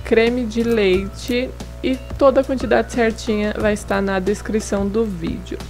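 A young woman's medium-pitched, darkish voice stays steady and unhurried as she narrates a home cooking video with soft music in the background. Hosting her cooking channel from a home kitchen table, she chats through each step of the recipe and gives friendly tips.

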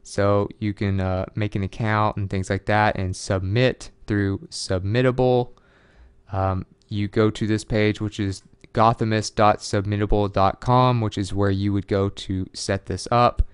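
A man's voice: fairly low pitch, steady tone, unhurried, clean tone, no echo. A man casually walking through websites on screen, talking loosely with fillers and reading out web addresses. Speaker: online money tutorial presenter. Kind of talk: casual screen-share walkthrough.

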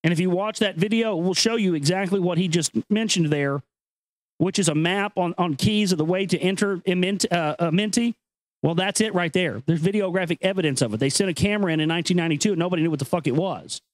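A man's voice: high-pitched, fast talker, no echo, rough recording. A man hosting a show, moving between dramatic reading and casual, earnest, conspiratorial commentary. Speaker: host reading an ancient text with commentary.

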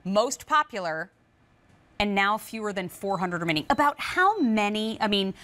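A woman's voice: mid-range voice, very animated, moderate pace, bright, forceful tone. A middle-aged woman working as a home shopping host, chatting and presenting live in a gushing, emphatic, playful way. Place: TV kitchen studio, indoors.

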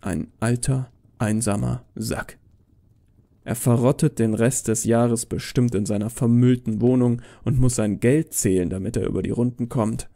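A man's voice: medium pitch, fairly even intonation, normal speed, gravelly, warm tone. A man reading scripted first-person horror fiction as a narrator, in a brooding, dramatic manner.

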